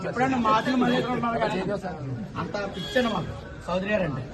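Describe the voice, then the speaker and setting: A man's voice: high voice, fast talker. A middle-aged or older man, talking informally as a union leader at a street gathering. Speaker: trade union president. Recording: noisy outdoor crowd, distant mic.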